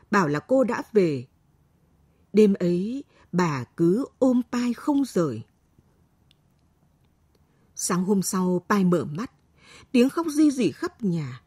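A woman reads a late-night story in a slow, gentle, lilting voice. Her tone is mellow and a little husky. The recording is dry and close. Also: medium pitch, no room sound. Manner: slow, gentle, expressive reading.

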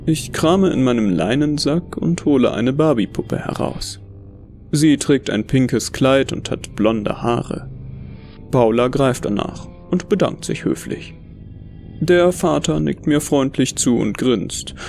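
A man narrates a scripted first-person horror tale. His voice has a gravelly fry and a measured, brooding delivery. Music sits underneath. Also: mid-range voice, a little mellow.

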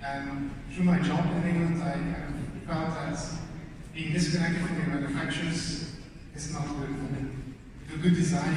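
A man from Belgium, a guest speaker on a conference stage, tells his story steadily with frequent filler sounds. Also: on the high side. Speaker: panel guest, hardware designer. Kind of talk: onstage panel talk. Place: large conference stage in a hall. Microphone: handheld microphone, recorded from far in the audience. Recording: echoey hall recorded from far off.

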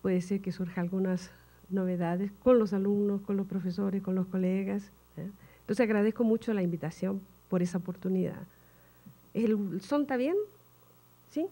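An older woman lectures from a table microphone in a university hall. Her voice is dark and mellow at a middle pitch, and her Spanish carries a Portuguese tinge. She keeps the talk informal, checking in with a questioning tag. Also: normal speed. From Chile. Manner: relaxed, chatty, tags sentences with "¿no?". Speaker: guest lecturer. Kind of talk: academic lecture. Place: university auditorium. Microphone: table mic.

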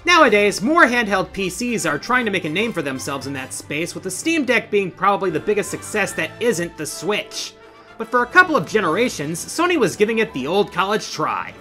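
A man's voice: sits high, sing-song, a little fast, sharp tone, faint music behind. A middle-aged man hosting a countdown in scripted video essay narration, with an emphatic, theatrical delivery. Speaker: video game countdown host.

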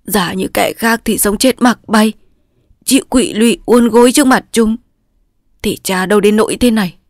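A woman's voice: mid-range voice, moderate pace, no echo, clean studio sound, pitched above the performer's own voice, lightly acted. A woman voicing a dying old father who speaks weakly and solemnly, sometimes in a whisper. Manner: weak, strained, sometimes whispered.

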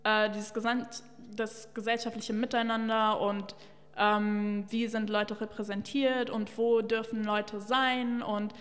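A woman's voice: mid-range voice, flat delivery, slow pace. A young woman from Luxembourg, a journalist and podcast guest, talking candidly and with opinions into a stand mic, with many fillers. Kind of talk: casual interview talk. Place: large white basement room, indoors. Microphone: studio mic on a stand. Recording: long reverb of a bare room.

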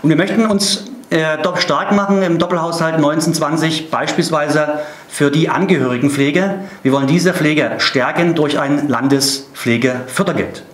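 Higher-voiced man in a roomy space. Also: moderate pace, hardly any pauses. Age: middle-aged. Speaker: political party spokesman. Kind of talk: semi-scripted political statement to camera.

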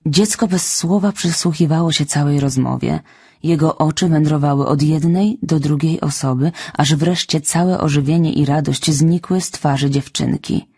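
A woman reads a children's classic aloud in calm, measured storytelling. Her voice is husky and gravelly, recorded close and dry on a studio microphone. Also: low voice, no echo. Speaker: audiobook narrator. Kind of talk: scripted narration of a children's novel.

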